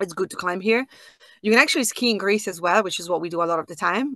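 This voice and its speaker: A woman in an Italian accent talks at a very fast pace, her sound dry and close with no echo against a quiet background. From Italy. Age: 30s. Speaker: translation agency founder. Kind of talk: casual interview.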